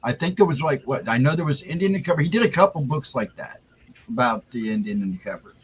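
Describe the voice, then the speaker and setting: A man's voice: mid-range voice, expressive, fast, slightly rough. Laid-back middle-aged man on lo-fi mic. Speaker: livestream guest. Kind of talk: casual live chat. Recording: dull lo-fi mic with faint noise.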